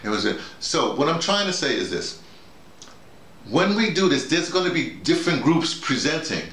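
A man's voice: on the high side, very animated, normal speed, fairly bright tone. Man in an echoey room, explaining emphatically. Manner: emphatic, digressive, repeats phrases. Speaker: drama workshop leader. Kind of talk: casual conversation, storytelling and explaining. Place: small indoor room with a bed. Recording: echoey room, faint noise.

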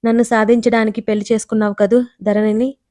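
A woman's voice: on the high side, little pitch movement, fast, dark tone, no echo, close to an everyday voice. A woman reading the lines of a serious, protective young man who speaks with heat. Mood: angry, serious. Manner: serious, heated.

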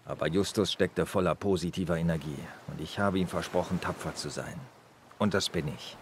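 An actor playing a weary but tender police inspector in a radio crime drama, speaking calmly and gently. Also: male voice, low voice, fairly quick, slight background noise, natural voice. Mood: warm. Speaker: inspector Anton Jäger.

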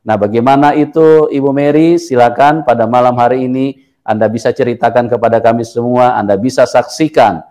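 Mellow-voiced middle-aged man. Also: medium pitch, steady tone, a little fast. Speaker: host, pastor. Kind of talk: testimony interview, preacherly talk. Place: indoor room, seated, on a video call.

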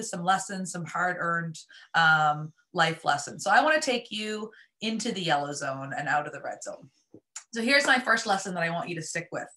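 Bright-voiced woman presenting a workshop. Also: medium pitch. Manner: friendly, conversational, with fillers. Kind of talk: online workshop talk. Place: home office, indoors. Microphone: webcam on video call.

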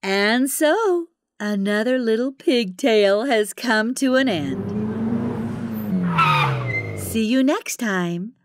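A woman's voice: on the high side, animated, slow pace, pauses often, noisy background. A woman playing a perky, friendly storyteller who hosts a children's cartoon and exclaims to young listeners. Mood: cheerful. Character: perky, friendly female storyteller and race announcer. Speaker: host and narrator. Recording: music behind the voice.

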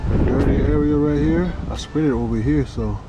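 A pressure washing business owner vlogs outdoors beside his work truck, talking casually to the camera while he works. His medium-pitched voice moves at a moderate pace as he thinks aloud in a laid-back, colloquial way. The recording is noisy, with vehicle sounds around him.

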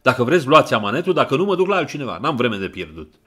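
A man's voice: on the low side, big pitch swings, voice pushed up. A man voicing a pale, nervous young man who stammers in an audiobook. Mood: snapping. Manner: stammering, voice cracking, then snapping.

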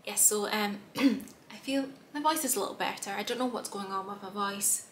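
A young woman with a slightly hoarse voice, chatting to camera as a book vlogger in a small room, rambling with lots of fillers. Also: medium pitch, normal speed, a little hiss or hum. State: slightly hoarse, clearing throat. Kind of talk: casual chat to camera. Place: small room with bookshelves, indoors.

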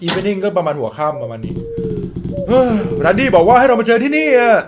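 A man's voice: high voice, sing-song, brisk. A man commenting on a horror video game in a joking, crude way, reading the characters' lines aloud and yelping when startled. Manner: jokey, crude, reads out in-game dialogue, yelps when startled. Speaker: gaming YouTuber.

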